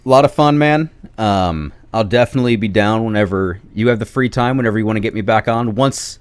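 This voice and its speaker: A man's voice: fairly low pitch, brisk, clear, resonant tone. A man chatting casually as a podcast guest in a laid-back, self-deprecating way. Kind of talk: casual chat.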